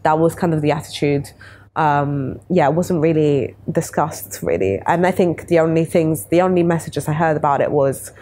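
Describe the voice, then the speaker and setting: A woman's voice: low voice, steady tone, normal speed, mellow, a little hiss or hum. A young woman in her twenties, a panel guest talking candidly and chattily in a casual discussion, laughing easily. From Italy. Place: bright studio room, city view.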